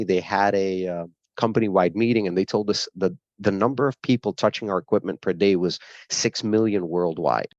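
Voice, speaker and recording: Low-voiced Brooklyn man telling stories. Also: no echo, highs cut off. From grew up in Brooklyn, New York. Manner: frequent fillers, laughs while telling stories. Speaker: guest. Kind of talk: casual interview storytelling.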